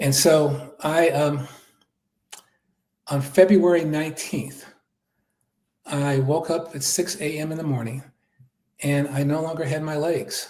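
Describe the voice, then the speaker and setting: A man's somewhat breathy voice, fairly high in pitch, with a dark, mellow tone, fairly even intonation, a fairly slow pace and long, frequent pauses. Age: 70s. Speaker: interview guest sharing illness recovery. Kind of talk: personal testimony.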